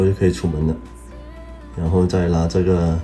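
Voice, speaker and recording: A man with a very deep, low pitch and ordinary pitch variation, with music in the background. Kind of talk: humorous voiceover commentary.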